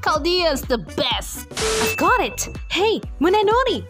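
A woman's voice: very high voice, sing-song, measured pace, over music, heavily acted. A woman voicing an anime game heroine in an amateur comic dub. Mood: playful.

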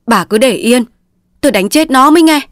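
A woman's voice: mid-range voice, a little fast, no echo, clean studio sound, lightly acted. A woman voicing a male opium addict in painful withdrawal, whining and pleading, breaking into frantic cries. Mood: frantic terror.

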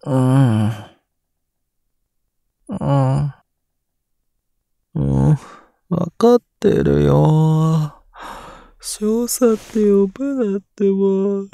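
Man acting as a drowsy, gravelly young man. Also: fairly high pitch, drawn-out words, long pauses, mellow, no room sound, studio quality, heavily acted. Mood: drowsy, grumbling. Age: young adult. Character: sleepy, grumpy but gentle young man living on the moon. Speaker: voice actor. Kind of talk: Japanese audio drama acting.

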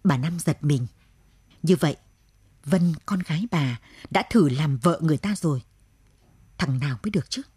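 A woman narrating a radio short story in a steady storytelling manner. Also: low voice, normal speed, pauses often, breathy edge, no echo.

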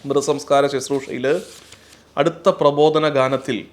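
A man giving a reflective sermon as a Catholic priest, speaking slowly and gently, often dropping to a hushed close and at times chanting lines of a hymn. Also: medium pitch, little pitch movement.

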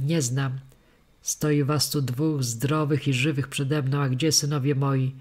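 A man reading as a furious old chieftain. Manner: booming, commanding.

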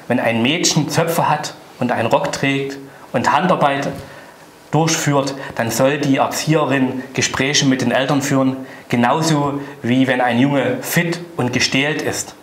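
A middle-aged man presents politics to camera as a party spokesman. His delivery is emphatic and indignant, at an average pitch. The room adds a clear echo.

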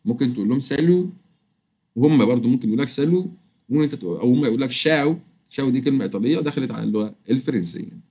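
A man with an Egyptian Arabic accent teaching a French lesson online, drawing the French phrases out slowly before explaining them. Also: mid-range voice, husky. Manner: fast, lively explaining, drawls French words out slowly.

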